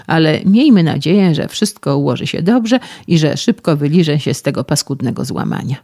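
A man reading an audiobook, voicing an agitated, injured young man who shouts his complaints. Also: on the high side, expressive, brisk, no echo, studio quality. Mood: indignant.

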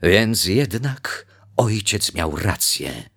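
A man voicing an angry young peacock in a children's story, speaking in slow, heavy outbursts. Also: on the low side, big pitch swings, fairly bright tone, husky, voice pushed up, heavily acted. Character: young male peacock, meek turned furious.

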